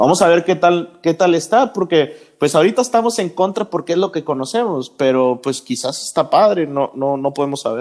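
With hardly any pauses, a man talks at a moderate pace in a high pitch. His intonation is lively. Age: 20s. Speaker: motorsport podcast host. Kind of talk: casual chat. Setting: studio.

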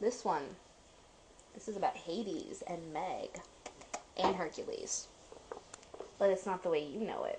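A woman with an American accent talks at a fairly slow pace, leaving long, frequent pauses, with noticeable background noise behind her. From United States. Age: 20s. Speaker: book podcast co-host. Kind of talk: casual chat. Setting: livestream.

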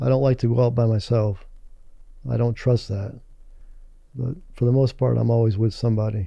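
A somewhat breathy man with an American accent talks at a fairly quick pace in a dark, mellow tone. His intonation stays fairly even, broken by long, frequent pauses. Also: medium pitch for a man. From United States. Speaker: retired military, expat. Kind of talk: casual chat. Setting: studio.

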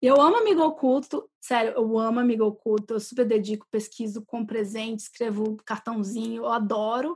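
High pitch from a woman, her pitch moving in an ordinary way. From Brazil, Belo Horizonte. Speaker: tech program manager. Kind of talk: podcast interview.

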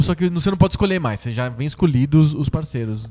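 A man with a dark, mellow tone talks at a very fast pace with ordinary pitch variation. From Brazil, São Paulo area (São Bernardo). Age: 30s. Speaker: podcast host. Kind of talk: casual chat.

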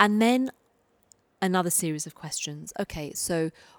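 A woman with a London accent, fairly low pitch, and an animated, passionate tone, recorded dry and close without echo. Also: very clean recording, silent background. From London, England. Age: 40s. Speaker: inspirational speaker and poet. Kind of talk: podcast interview.

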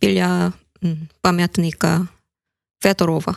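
A woman speaks at a fairly slow pace with a Korean accent. The sound is dry and close with no echo. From South Korea, Busan. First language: Korean (speaking Ukrainian). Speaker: language teacher and food blogger. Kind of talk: interview. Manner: halting.

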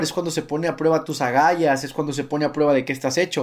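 A man with an ordinary speaking voice talks at a fairly high pitch with fairly even intonation, in a very clean recording with a silent background. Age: 30s. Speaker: radio host and motivational speaker. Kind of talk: interview.

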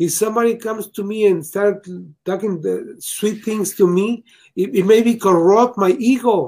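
In a Spanish accent, a man speaks at a moderate pace in a high voice with ordinary pitch variation. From Mexico. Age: 60s. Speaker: Freemason. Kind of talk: interview. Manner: halting.

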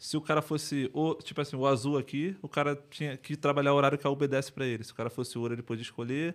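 On a very clean recording with a silent background, a man speaks very fast with hardly any pauses, in a fairly high pitch with fairly even intonation. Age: 20s. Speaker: ride-hailing driver. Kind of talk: casual chat. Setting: studio.

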